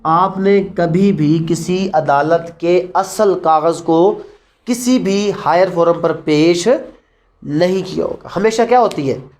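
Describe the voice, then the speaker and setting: With a voice on the high side and a darkish tone, a man with a Pakistani accent lectures on evidence law. He teaches in a didactic manner, posing his own questions and answering them, switching between Urdu and English.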